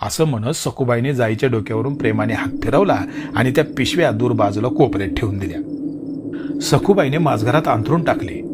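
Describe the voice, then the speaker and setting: Male horror-story narrator over loud hiss. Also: medium pitch. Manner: measured storytelling.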